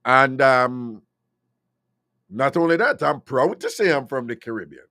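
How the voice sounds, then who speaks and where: A man's voice: medium pitch, animated, unhurried, bright, forceful tone, no echo, clean studio sound. A Jamaican man hosting a call-in radio talk show, opinionated and slipping into patois.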